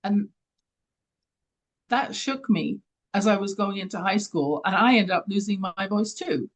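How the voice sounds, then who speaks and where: A woman's voice: medium pitch, lively intonation, measured pace. An older Englishwoman speaks as a guest on an interview. She is a leadership coach who talks with earnest conviction and leans into her key points. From London, England. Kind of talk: interview answers.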